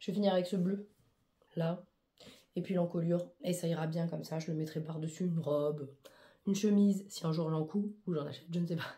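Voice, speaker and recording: Her dark, mellow voice sits at a medium pitch for a woman. She talks at a fairly slow pace with ordinary pitch variation. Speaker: knitting vlogger. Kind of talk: casual vlog talk. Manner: casual, hesitant.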